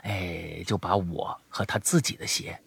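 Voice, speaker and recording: This young adult host spins listener tales on a podcast with lots of animation, lowering to a whisper for suspense. His voice sits low and gravelly with a breathy edge, the pace a little slow, and there is no echo.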